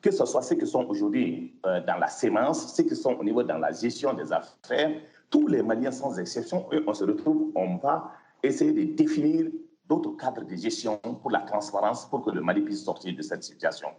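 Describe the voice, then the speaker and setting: A man's voice: on the low side, very animated, moderate pace, hardly any pauses, warm tone. A man, an opposition spokesman making an emphatic statement full of restarts and repetitions. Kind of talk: interview statement. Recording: roomy echo.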